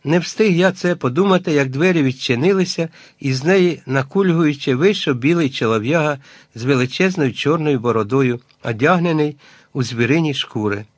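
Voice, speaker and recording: A man reading a first-person adventure novel aloud as scripted audiobook narration, measured and even. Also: fairly high pitch, dry recording.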